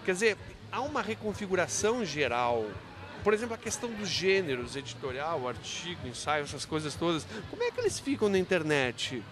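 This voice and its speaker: Male academic interviewee, fairly high voice, didactic and question-driven, clear crowd bustle behind. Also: sing-song, fairly quick. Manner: didactic, with rhetorical questions and frequent self-checks. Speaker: university professor interviewed about his book. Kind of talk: spontaneous interview, explanatory.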